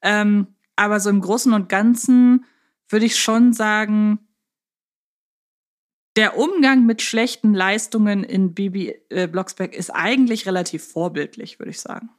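A woman's voice: medium pitch, a little slow. Female podcast co-host, conversational and discursive, mid-range voice. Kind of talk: casual chat about audio dramas.

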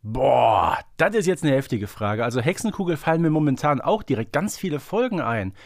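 A man co-hosts a casual fan podcast, chatting expressively and dropping colloquial interjections. His medium-pitched voice swings widely in pitch and moves briskly. The recording is studio quality with no echo.

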